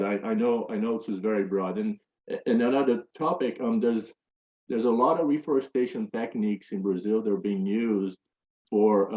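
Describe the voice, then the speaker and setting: A man asking a long, hesitant question from the audience at a panel, with many fillers and restarts. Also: fairly low pitch. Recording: roomy, dull room audio.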